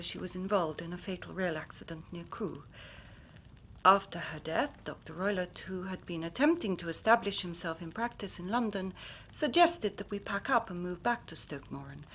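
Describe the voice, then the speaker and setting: An actress playing a grave young Victorian woman who tells her story in measured, formal speech, sometimes dropping to a hushed whisper. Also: fairly low pitch, animated, slight background noise. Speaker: client telling her story. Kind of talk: period radio drama acting.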